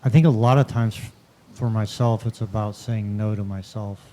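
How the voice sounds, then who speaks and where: A man's voice: fairly low pitch, steady tone, moderate pace, mellow. A man in the audience sharing a hesitant, reflective comment. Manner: hesitant, reflective, restarts often. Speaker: audience member.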